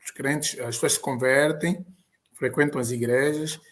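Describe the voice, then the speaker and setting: A man with an Angolan Portuguese accent, hosting a live online interview and asking his questions in a measured, deliberate way. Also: mid-range voice, steady tone, fairly bright tone. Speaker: host.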